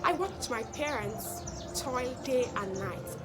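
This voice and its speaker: A woman's voice: on the high side, animated, takes it slowly, over loud music. A woman playing a proud young Hausa woman who speaks with a Nigerian Hausa accent and talks in a formal, speech-giving way. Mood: speechifying. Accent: Hausa Nigerian English. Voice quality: formal, speech-giving, then loud laughing banter. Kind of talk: comedy skit acting.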